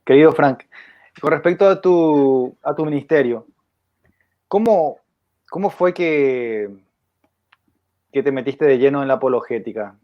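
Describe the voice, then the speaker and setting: A man's voice: mid-range voice, unhurried, pauses often, highs cut off. A man interviewing a guest, asking polite questions.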